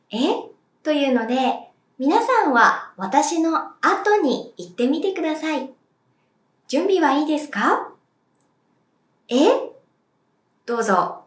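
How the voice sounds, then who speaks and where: Woman teacher going slow and clear, high voice, kinda echoey room. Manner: clear, deliberate, demonstrates sounds for the viewer to repeat. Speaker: Japanese language teacher. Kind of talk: slow, clear pronunciation lesson.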